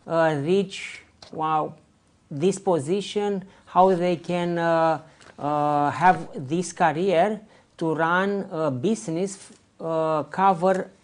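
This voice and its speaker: Interviewer, slow halting questions, hunting for words, medium pitch. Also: darkish tone. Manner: halting, searching for words in non-native English.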